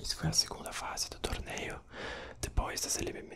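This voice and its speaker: A man is whispering at a moderate pace. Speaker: vlogger. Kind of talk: casual vlog chat. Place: home room. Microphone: handheld.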